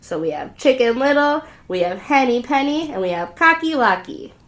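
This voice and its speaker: A woman's voice: sits high, expressive, moderate pace. A woman teacher giving an interactive storybook read-aloud for young children, repeating words and asking questions to invite answers. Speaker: preschool teacher reading aloud.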